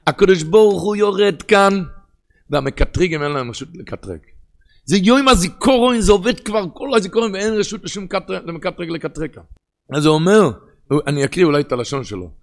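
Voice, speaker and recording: A man with an Ashkenazi Hebrew pronunciation giving a sermon in a sing-song study cadence that swings between loud and hushed. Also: sits high, creaky.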